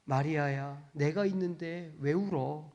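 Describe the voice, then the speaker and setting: A man quoting Jesus in a lowered, gentle, consoling voice during a sermon. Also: animated, a little slow, lo-fi sound. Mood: tender. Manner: soft and lowered, tenderly consoling. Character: Jesus, gentle, tender man comforting the grieving.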